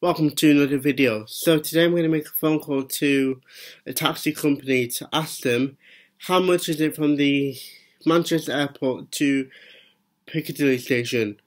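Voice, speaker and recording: A young man who speaks with a stammer, talking casually to a webcam from a small room. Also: on the high side. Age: young adult. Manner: stammers, with long pauses and repeated words. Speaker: vlogger. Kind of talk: casual vlog to camera.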